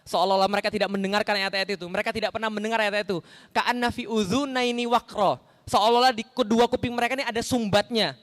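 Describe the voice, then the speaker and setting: A man's voice: flat delivery, racing. A man preaching an Islamic sermon in a conversational way, asking the audience rhetorical questions and acting out the lines he quotes. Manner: acts out quoted lines with sharp rises in pitch and volume. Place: large hall. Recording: long hall reverb.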